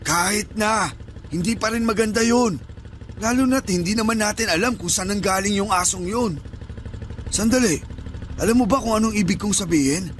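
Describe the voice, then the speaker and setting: A man's voice: high-pitched, moderate pace, a little hiss or hum, lightly acted. A man playing a dismissive uncle who sells fake herbal remedies in a radio drama. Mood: uneasy. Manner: scolding, dismissive. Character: scheming uncle selling fake herbal cures. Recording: music underneath.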